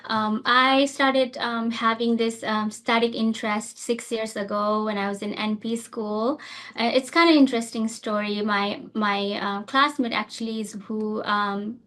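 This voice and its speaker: Woman, from Nepal, thirties, fairly high pitch, hesitant, casual interview guest. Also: steady tone, a little slow, a bit bright. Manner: hesitant, many fillers and restarts. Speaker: nurse practitioner, guest.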